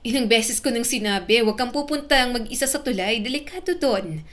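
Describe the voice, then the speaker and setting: A woman's voice: mid-range voice, steady tone, a little fast, close to an everyday voice. A woman voicing a tearful young mother. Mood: scolding, tearful. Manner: pleading, scolding through tears.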